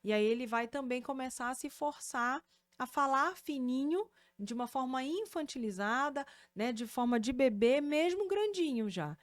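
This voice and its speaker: A Brazilian-accented woman speech therapist talks through her topic like a patient teacher, animated and sure of herself. Her voice sits a touch high, and the recording is dry and close. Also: normal speed, dry recording. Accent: Brazilian Portuguese. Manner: didactic, animated, checks in with "né?" and "tá?". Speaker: speech therapist and podcast host. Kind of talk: explanatory podcast conversation.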